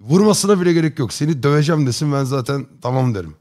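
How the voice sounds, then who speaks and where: A man's voice: medium pitch, animated, quick pace, darkish tone. A man streaming live and chatting casually with his viewers, joking and rambling in chummy slang. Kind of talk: casual chat.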